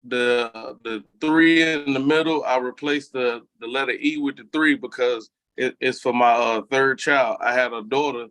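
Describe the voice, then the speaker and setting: A man's voice: mid-range voice, steady tone, unhurried, few pauses, fairly bright tone. A man from Memphis, a guest in a casual interview who speaks frankly and reflectively. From Memphis, Tennessee.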